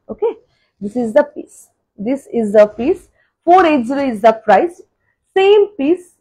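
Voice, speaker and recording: A woman selling jewellery on a live stream. She says each price slowly and more than once, and chats quickly in between. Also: high-pitched, a little mellow, breathy edge, low-quality recording. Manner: repeats prices slowly, then chats fast in bursts. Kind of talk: live-stream sales talk. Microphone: phone camera.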